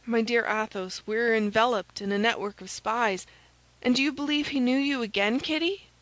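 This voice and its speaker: A woman voicing a gallant young gentleman soldier in a storybook, commanding and reassuring. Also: on the high side, normal speed, no echo, close to an everyday voice, rough recording. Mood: earnest, commanding.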